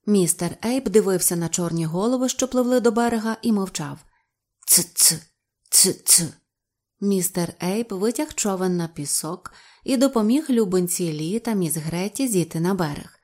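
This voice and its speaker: A woman narrating an audiobook with an even, expressive reading. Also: mid-range voice, normal speed. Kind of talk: storybook narration.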